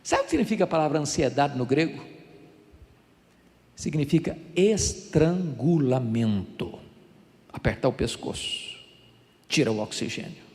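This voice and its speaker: Animated older Brazilian preacher. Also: male voice, fairly high pitch, measured pace, long pauses. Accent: Brazilian Portuguese. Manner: animated storytelling preacher, dramatic swings. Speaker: pastor. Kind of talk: sermon. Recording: echoey hall reverb.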